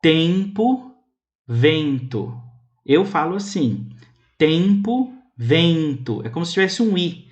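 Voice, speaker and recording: A young Brazilian man giving an online phonetics lecture, saying example words slowly and carefully. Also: on the high side, big pitch swings, muffled recording. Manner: slow, careful, drawn-out pronunciation examples. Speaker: university language instructor.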